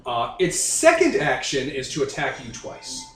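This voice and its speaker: Animated man running a tabletop game, echoey room. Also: mid-range voice, measured pace. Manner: profane, informal. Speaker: game master. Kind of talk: narrating a tabletop role-playing game, casual. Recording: echoey room, faint background noise.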